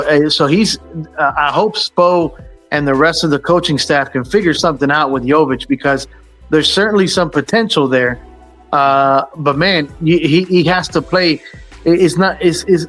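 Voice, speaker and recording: Guy hosting a hoops talk show, bit high voiced, lots of uh and man, faint music under. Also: a bit bright. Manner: rambling, many fillers and restarts. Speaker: sports podcast host. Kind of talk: casual sports chat.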